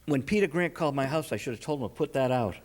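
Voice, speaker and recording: A man's voice: medium pitch, lively intonation, fast, noisy background. A man hosting a casual, conversational interview and chatting with his guest. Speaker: interviewer, host.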